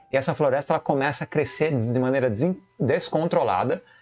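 Lively intonation and a fairly quick pace carry the speech, with music in the background. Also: man. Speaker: channel host. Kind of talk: commentary. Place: home room. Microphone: webcam.

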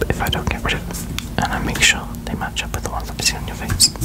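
A man speaks softly. Loud background noise runs behind him. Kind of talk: ASMR roleplay soft talk. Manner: soft, hushed ASMR voice. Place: home room. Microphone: earbuds.

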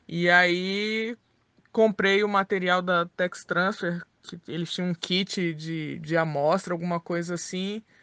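A woman speaking very slowly at a fairly low pitch, bright and sharp in tone, with fairly even intonation and a dry, close, echo-free sound over a quiet background. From Brasília, Brazil. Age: 40s. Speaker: student of sublimation courses. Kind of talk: testimony. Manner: halting, with fillers.

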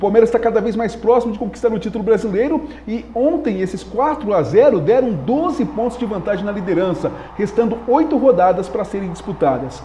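A man's animated, fairly quick speech, high-pitched with lively intonation, over noticeable background noise. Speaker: sports reporter. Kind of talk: sports news segment.

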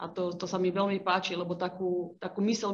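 The woman's intonation is monotone and flat. She keeps up a fairly quick pace. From Slovakia, rural village. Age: 40s. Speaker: tattoo artist; guest. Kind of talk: online student discussion interview. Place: home room. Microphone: video call.

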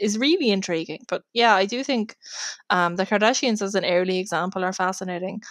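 A woman with an Irish accent and lively intonation, dry with no echo, in a quiet background. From Ireland. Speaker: pop culture academic; podcast guest. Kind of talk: casual chat; interview answer. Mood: thoughtful, engaged. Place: home room.

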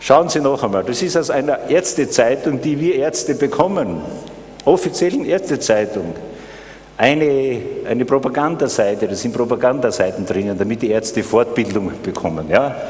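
Noticeable background noise sits behind a man speaking at a moderate pace. His voice is medium in pitch and swings very widely. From Styria, Austria. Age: 60s. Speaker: doctor giving lecture. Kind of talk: lecture. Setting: stage with audience at congress.

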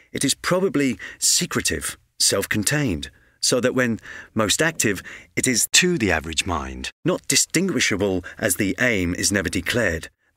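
A man with an English accent, fairly low in pitch yet bright and sharp in tone, with vocal fry, very wide pitch swings, very even loudness and a moderate pace, in a dry, close sound with no echo on a very clean recording with a silent background. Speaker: audiobook narrator. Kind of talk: audiobook reading of classic fiction. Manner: dynamic, exciting pace.

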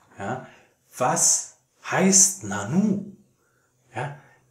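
Very wide pitch swings mark this man's speech, heard with audible room echo. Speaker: German language teacher. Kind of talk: casual talk to camera, language lesson. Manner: hesitant, many filler sounds. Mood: friendly, smiling.

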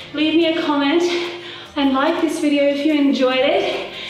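Against light background noise and strong room echo, a woman with a high pitch speaks at a moderate pace. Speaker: fitness instructor. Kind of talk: workout instruction and outro chat. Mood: warm, proud, encouraging. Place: home room.

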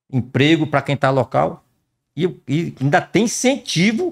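A man speaks with fairly high pitch, his voice leaping through very wide pitch swings and creaking with vocal fry. The background is quiet. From Ceará, Brazilian Northeast. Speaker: military serviceman; podcast guest. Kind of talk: casual chat. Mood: indignant about crime and politics. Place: studio. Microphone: studio mic.

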